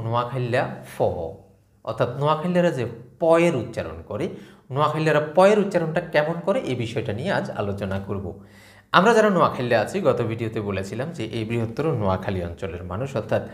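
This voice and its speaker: A man's voice: medium pitch, reverberant. A man from southeastern Bangladesh giving a spoken lesson to viewers, explaining sounds step by step and chuckling now and then at his own jokes. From Feni, greater Noakhali, Bangladesh. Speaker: video lecturer. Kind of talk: explanatory talk to camera.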